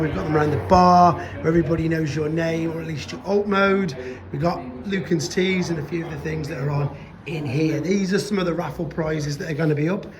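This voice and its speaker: A man's voice: fairly high pitch, darkish tone. A man chatting casually as he films a walk-around vlog of a convention venue, rambling with many restarts and losing his voice. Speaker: toy vlogger.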